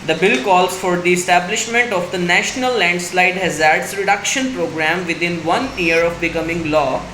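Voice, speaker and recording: A man's voice: high-pitched, moderate pace, bright, forceful tone, a little hiss or hum, low-quality recording. A man with an Indian accent, speaking as an English test tutor in an instructional, read-aloud lesson style. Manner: code-switches between English and Hindi. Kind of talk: instructional talk mixed with read-aloud demonstration.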